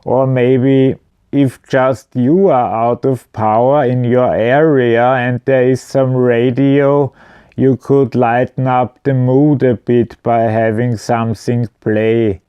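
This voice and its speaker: A man's voice: mid-range voice, dark tone, clear, resonant tone, no room sound. A man giving an informal product explanation at home, speaking in a hesitant, matter-of-fact way. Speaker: video presenter. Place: indoors at home.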